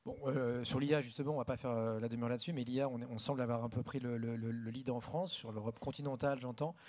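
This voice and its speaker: A man's voice: medium pitch, fairly even intonation, fast, darkish tone. A man moderating a live stage interview at a conference, informal and hesitant, with many fillers.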